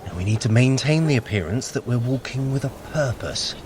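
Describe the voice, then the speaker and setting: Sly, animated trickster god acted by a man. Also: medium pitch, fairly quick, a little hiss or hum, lightly acted. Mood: commanding, wary. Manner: sardonic, commanding. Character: sly, impatient trickster god, scheming and dry. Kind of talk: audio drama acting.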